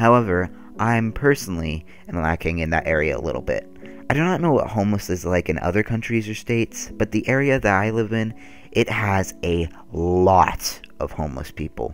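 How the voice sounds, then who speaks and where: Over music in the background, a man with a fairly low voice speaks at a moderate pace. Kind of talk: personal commentary monologue.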